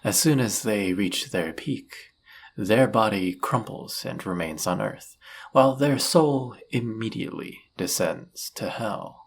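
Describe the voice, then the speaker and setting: Guy doing a suave demon prince of lust for audio roleplay, raspy and really unhurried, cocky seducer. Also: on the low side, lively intonation, heavily acted. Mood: sultry, explanatory. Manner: slow, suave, condescending, flirtatious. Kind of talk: scripted audio roleplay addressed to the listener.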